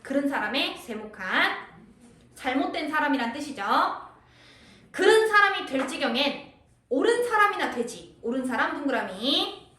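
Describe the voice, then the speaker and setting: A high, animated woman's voice lecturing on literature, now and then acting out a character's lines. She sits a little away from the mic in an echoey room. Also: normal speed, recorded from a distance, slight background noise. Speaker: literature teacher. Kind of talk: lecture explaining a classical text.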